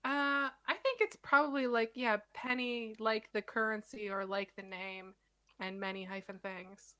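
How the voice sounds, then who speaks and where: A woman's voice: on the high side, fairly even intonation, pushed and bright, clear, resonant tone. A woman chatting casually while playing a tabletop game on a live stream, laughing easily. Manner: laughs easily, quick asides.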